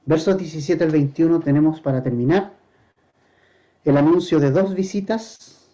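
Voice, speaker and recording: Earnest pastor preaching, dark dull sound. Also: male voice, fairly high pitch. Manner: earnest, asks the congregation rhetorical questions; slows down to stress scripture quotes. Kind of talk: verse-by-verse sermon.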